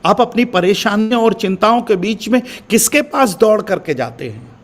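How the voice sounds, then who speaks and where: A man's voice: high voice, lively intonation, moderate pace. A male pastor from India delivering a sermon with emphatic repeated refrains, calling his listeners beloved. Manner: addresses listeners as beloved brothers and sisters.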